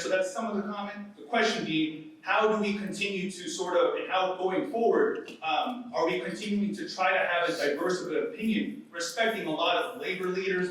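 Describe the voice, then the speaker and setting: A man's voice: high voice, a bit bright. A man from Ecuador asking a long question from the audience, hesitant with many "um"s. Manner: halting, many "um" fillers and restarts. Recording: echoey hall from far off.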